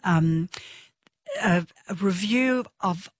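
A woman's voice: drawn-out words, dry recording, studio quality. Enthusiastic woman with an alto voice. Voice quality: low alto voice. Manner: enthusiastic, warm, laughs often. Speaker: physiotherapist guest. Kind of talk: casual radio interview.

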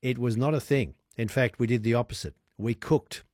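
A man's voice: medium pitch, normal speed, darkish tone, dry recording, studio quality. An Australian man in his sixties hosting evening talkback radio, chatty and enthusiastic with playful wordplay. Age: 60s. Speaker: radio host.

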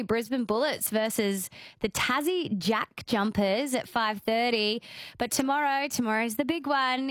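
An Australian woman hosting a live radio show, chatty and brisk as she runs through the schedule. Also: a little high, dry recording. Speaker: radio host. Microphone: studio microphone.

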